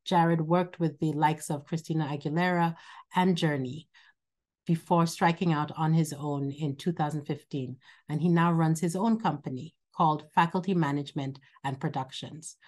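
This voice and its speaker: A woman with a low voice hosts an online alumni event. She talks off the cuff, often repeating a word before going on. The sound comes through a home video call. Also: fairly even intonation, moderate pace. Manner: warm, repeats words while speaking off the cuff. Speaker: college dean hosting an alumni event. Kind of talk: welcome speech over video call.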